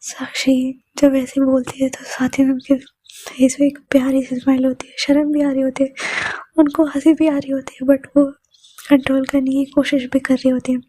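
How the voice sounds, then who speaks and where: Soft-spoken woman storyteller. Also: high-pitched, flat delivery, moderate pace, slight background noise, low-quality recording.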